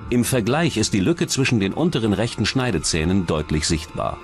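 A man with a fairly low voice narrates a true-crime documentary from a script. His delivery is measured and serious. Music plays clearly behind him. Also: big pitch swings.

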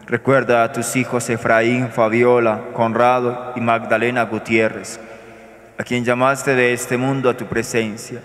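Give me a priest, speaking in a monotone as he prays through the Mass in a reverberant church. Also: mid-range voice. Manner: measured, solemn liturgical recitation. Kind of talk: celebrating Mass, praying aloud. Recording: echoey church with long reverb.

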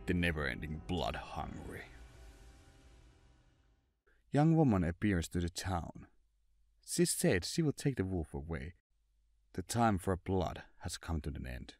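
A man's voice: low voice, sing-song, a little slow, pauses often, dry recording, clean studio sound. A man who is not a native English speaker, narrating a scripted horror story in an ominous, dramatic way. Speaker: narrator and writer.

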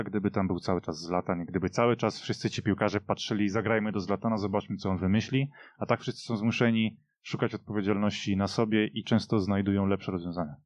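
A man's voice: lowish voice, no room sound. A man giving opinionated, conversational football punditry in a radio discussion. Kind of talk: casual opinionated sports discussion. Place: radio studio. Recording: dull, muffled studio audio.

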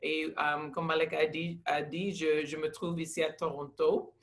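A middle-aged English-speaking woman, a leadership candidate, speaking haltingly in a second language on a video call, with many fillers and restarts. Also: low voice, level tone.

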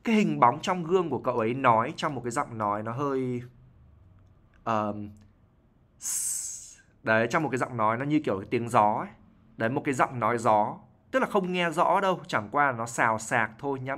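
Speaking a little fast and sounding animated, a man with a medium, somewhat bright voice teaches IELTS vocabulary drawn from a novel. He explains as he goes, often tagging on "right?" and saying things twice.

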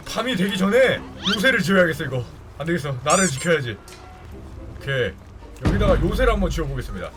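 A man hosting a game commentary video, reacting excitedly with yelps and panicky outbursts. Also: on the high side. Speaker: gaming video host. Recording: music playing under the voice. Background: background music.

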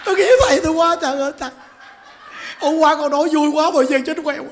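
A man voicing a grieving female temple follower, wailing fast and shrill. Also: steady tone, noisy background.

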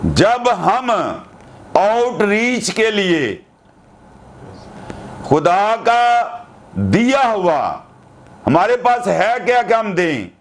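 An older man preaching a sermon to camera, earnest and deliberate, asking rhetorical questions. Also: sits high, sing-song, slight background noise. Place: indoor studio with curtain backdrop.

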